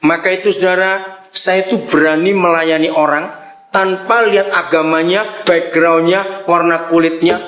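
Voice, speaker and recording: An older man preaching a sermon to a congregation in a lively, joking way, often checking in with his listeners. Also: high-pitched, moderate pace, reverberant, soft background music. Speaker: pastor. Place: church before a congregation.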